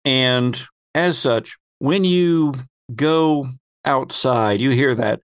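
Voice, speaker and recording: A man runs a tabletop game as game master, setting scenes in careful, descriptive detail. His mid-pitched voice pauses as he searches for words, and the sound is close and dry. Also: clear, resonant tone, no echo. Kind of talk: improvised tabletop game narration.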